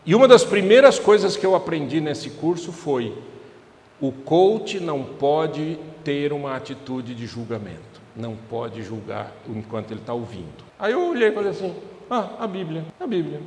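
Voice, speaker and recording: A man with a Brazilian Portuguese accent preaching a sermon in a conversational way, often putting questions to the congregation. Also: fairly high pitch. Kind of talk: church sermon. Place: church hall. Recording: echoey church hall with long reverb.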